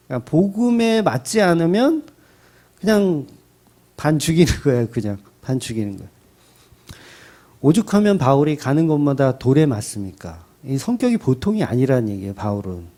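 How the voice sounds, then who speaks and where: A male pastor giving a Sunday sermon in a colloquial, dramatic storytelling manner. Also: fairly high pitch. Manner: animated, rising and falling delivery. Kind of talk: Sunday sermon, expository Bible teaching.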